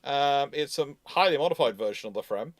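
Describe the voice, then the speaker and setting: A man's voice: mid-range voice, animated, brisk, no room sound. A man explaining things emphatically in a live question-and-answer discussion, often restarting his phrases. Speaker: host and naval historian answering questions.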